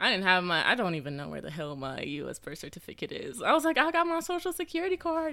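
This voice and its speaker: The speech comes at a very fast pace with hardly any pauses. Its loudness swings widely. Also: woman. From Germany. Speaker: podcaster. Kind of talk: casual chat.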